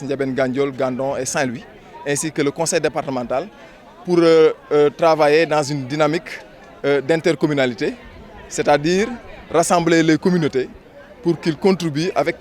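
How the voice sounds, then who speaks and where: A Senegalese man with a fairly high-set voice gives an interview as a local organizer. He explains deliberately, with many hesitations. A faint crowd murmurs around him in the open air. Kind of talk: on-camera interview statement.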